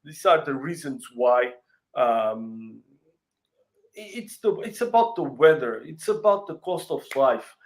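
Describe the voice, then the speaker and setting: A man's voice: medium pitch, lively intonation. A man with a Portuguese accent, a native Portuguese speaker, chatting on a video call and stopping often to search for his words. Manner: halting, searching for words, frequent fillers and restarts. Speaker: real estate company country head. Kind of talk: casual interview chat.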